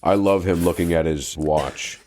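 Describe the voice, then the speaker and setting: A man's voice: sits low, a little slow. A man co-hosting a podcast, chatting casually about films and acting out lines. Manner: animated, acts out film lines in funny voices. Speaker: podcast co-host. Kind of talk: casual chat.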